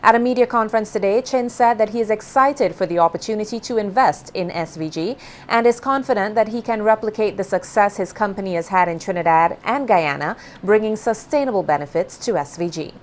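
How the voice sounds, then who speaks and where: A woman reads the television news in a steady, formal cadence. Her voice sits at an ordinary middle pitch and stays composed throughout. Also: slight background noise. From Saint Vincent and the Grenadines. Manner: measured, formal newsreading. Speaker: news anchor. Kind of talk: scripted news narration.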